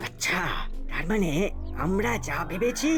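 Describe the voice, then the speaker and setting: A woman voicing a sneaky, tattling cartoon kid with an excitable, accusing manner. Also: medium pitch, measured pace. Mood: sly, suspicious. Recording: music under the dialogue.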